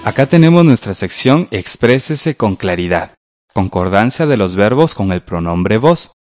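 A man with a Guatemalan Spanish accent teaches verb forms from a textbook, patient and clear, often checking in with rhetorical questions. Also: fairly low pitch, big pitch swings, unhurried, darkish tone, faint music behind. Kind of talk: textbook grammar lesson.

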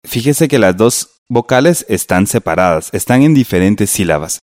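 A man teaching a radio lesson in a slow, patient way, spelling out syllables. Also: on the low side, animated, a little mellow, no echo, studio quality.

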